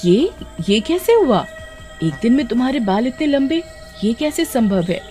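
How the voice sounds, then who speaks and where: एक औरत बच्चों की कहानी में गांव की एक चिंतित, प्यार करने वाली माँ की आवाज़ कर रही है, जो बेटी को दिलासा देती है।. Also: female voice, mid-range voice, expressive, moderate pace, a little mellow, faint music behind, lightly acted. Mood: astonished. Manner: comforting, stammering when shocked. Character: worried loving village mother. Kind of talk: children's storybook voice acting.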